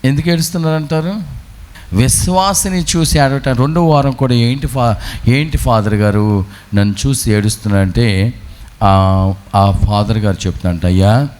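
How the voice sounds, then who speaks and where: A Catholic priest preaching a sermon, telling a story and acting out both sides of its dialogue. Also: male voice, medium pitch, moderate pace, darkish tone. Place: retreat center.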